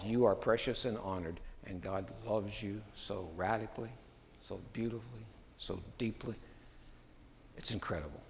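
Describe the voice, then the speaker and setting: Man preaching in a reverberant church. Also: fairly low pitch. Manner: conversational storytelling, chuckles often. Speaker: pastor. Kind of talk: sermon. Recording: long hall reverb.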